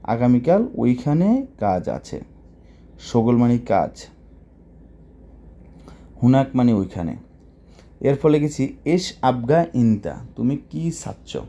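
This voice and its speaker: Mellow-voiced man teaching a language lesson. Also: mid-range voice, big pitch swings, slow, pauses often. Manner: explains word by word, often repeats phrases and asks questions. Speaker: Arabic teacher.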